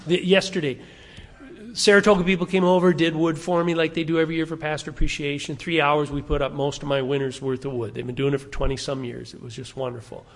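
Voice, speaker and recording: Pastor in his sixties, echoing hall. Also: medium pitch. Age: 60s. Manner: conversational, asks the congregation questions. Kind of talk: sermon. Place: church sanctuary.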